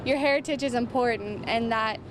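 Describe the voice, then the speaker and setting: A woman's voice: on the high side, a little fast. A woman speaking off the cuff in an interview soundbite, recorded on location. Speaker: festival queen being interviewed. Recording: noisy outdoor location recording.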